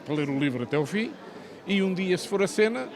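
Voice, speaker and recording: A man's voice: high-pitched, animated. An older man with a European Portuguese accent, an author talking in an interview with many hesitations and restarts. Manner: halting, many fillers and restarts. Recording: outdoor crowd chatter behind.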